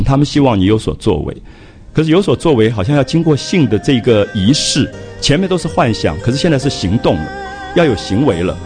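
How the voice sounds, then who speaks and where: A man's voice: on the low side, a little mellow, breathy edge. An older man lecturing an audience on a classic novel, speaking in a reflective, conversational way with frequent "ah" fillers and repeated phrases. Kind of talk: public lecture to a live audience.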